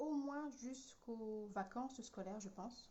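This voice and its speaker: Soft-spoken, somewhat breathy speech from a woman with ordinary pitch variation. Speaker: craft demonstrator. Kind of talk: live craft tutorial with chat. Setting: Facebook live stream. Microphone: too quiet for viewers.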